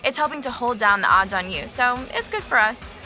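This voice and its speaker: A woman's voice: on the high side, expressive, a little fast, pushed and bright, faint music behind. An actress playing a savvy young woman, a racer's supportive girlfriend, casual and practical in an audio drama. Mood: eager. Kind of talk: acted audio drama dialogue.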